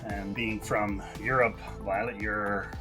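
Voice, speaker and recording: A man's voice: on the low side, flat delivery, slow pace, over music. A man hosting a podcast in casual, upbeat chat with his co-host and guest.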